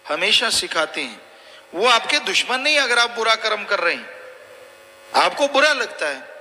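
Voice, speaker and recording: Male preacher, high voice, repeats warnings, asks rhetorical questions, long echo. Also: pushed and bright. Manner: admonishing, repetitive, rhetorical questions. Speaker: spiritual preacher. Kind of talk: live sermon to devotees. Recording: long hall reverb, faint noise.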